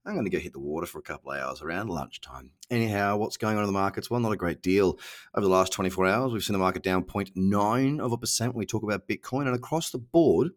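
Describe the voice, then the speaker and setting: A man's voice: fairly low pitch, fast talker. A middle-aged Australian man hosting a casual solo podcast, sounding nasal from a cold and talking in a chatty, slangy, self-mocking way. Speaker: podcast host.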